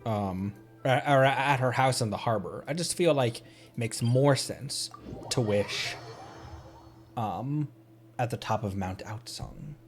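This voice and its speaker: A streamer chatting casually during a game livestream, with an animated, swooping delivery. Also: mid-range voice, slow. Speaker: streamer, host of the show. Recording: music playing behind the voice. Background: background music.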